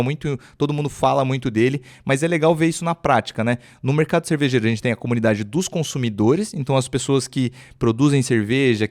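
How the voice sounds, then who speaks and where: A male podcast host with an upbeat, conversational delivery. He speaks at a mid pitch as he introduces guests and guides the discussion. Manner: upbeat, conversational, leading the talk. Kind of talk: podcast hosting and interviewing.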